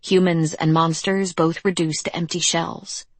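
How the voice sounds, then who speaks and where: A woman reading an audiobook in a measured, dramatic narration. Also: on the low side, level tone, no room sound. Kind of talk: scripted narration.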